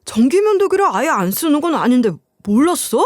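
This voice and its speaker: A woman's voice: sits high, sing-song, brisk, darkish tone, no room sound, clean studio sound. A woman voicing an irritated husband who runs an appliance store, asking scolding questions. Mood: exasperated.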